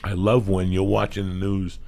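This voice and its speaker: A middle-aged man hosting a podcast, telling animated, profane stories from his past in a small studio on a studio mic. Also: sits low, moderate pace, vocal fry. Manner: profane, animated storyteller who acts out quotes. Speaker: podcast host. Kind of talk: casual storytelling chat. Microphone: studio mic with headphones.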